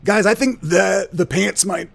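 A man playing an earnest, prudish Christian metal singer with a gravelly voice, rambling and oversharing in an improvised comedy interview. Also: high voice, a little slow, heavily acted. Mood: wounded, indignant. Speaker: comedy podcast guest in character.

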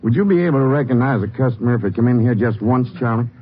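A man's voice: medium pitch, animated, fast talker, close to an everyday voice. Folksy sheriff, played by a man, crackly radio. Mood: easygoing. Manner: informal, homespun. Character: folksy, good-natured Texas county sheriff. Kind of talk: 1950s radio western acting. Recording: noisy, thin narrow-band 1950s radio recording.

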